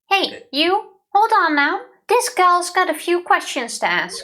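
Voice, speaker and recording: A woman uses a squeaky, put-on character voice at an extremely high pitch with lively intonation. She speaks at a fairly slow pace with very even loudness. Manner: assertive, bossy.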